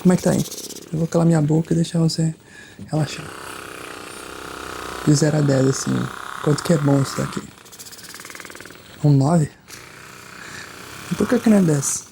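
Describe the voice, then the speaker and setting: A Brazilian speaker playing a chiropractor in an ASMR roleplay, chatting softly and informally with a joking streak. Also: mid-range voice, steady tone, moderate pace, vocal fry, pauses often, background noise. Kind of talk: ASMR roleplay of a chiropractic session, soft casual chat.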